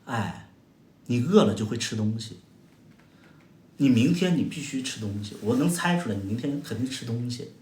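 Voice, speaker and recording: In a roomy, echoey space with slight background noise, a Northeastern Mandarin-accented host from Heilongjiang responds to viewer comments on his livestream. He talks at a moderate pace with long pauses, his animated pitch jumping around as he lobs sarcastic, mocking retorts and exaggerated exclamations.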